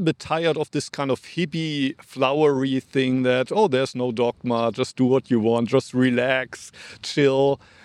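Someone with a German accent speaks at a fairly slow pace in a dry, close sound with no echo. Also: man. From Germany. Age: 50s. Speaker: Zen monk, former temple abbot. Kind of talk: casual interview.

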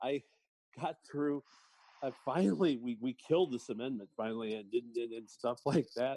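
In an American accent, a man with a medium pitch and a dark, mellow tone speaks at a moderate pace with ordinary pitch variation, the sound dry and close with no echo. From west suburbs of Chicago. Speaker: organization officer. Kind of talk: casual storytelling in group chat. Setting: Zoom call.

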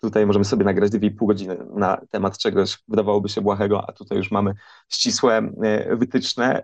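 This man has a plain, everyday voice with a fairly low pitch. He keeps a fairly quick pace. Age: 30s. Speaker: podcaster and book author. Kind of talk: casual interview. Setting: remote call.

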